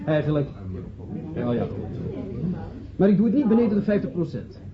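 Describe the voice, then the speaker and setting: Blunt, higher-voiced young director. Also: male voice, sing-song, moderate pace. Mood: firm, demanding. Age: young adult. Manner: blunt, unyielding. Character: cool, hard-bargaining young theatre director. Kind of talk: Dutch radio drama acting. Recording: muffled radio play recording, crowd murmur.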